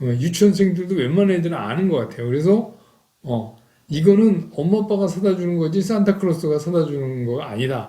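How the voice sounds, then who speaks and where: This man's voice is high-pitched, with very wide pitch swings. His pace is moderate. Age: 60s. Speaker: stock market commentator. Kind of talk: market commentary monologue. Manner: casual, many filler words; conversational.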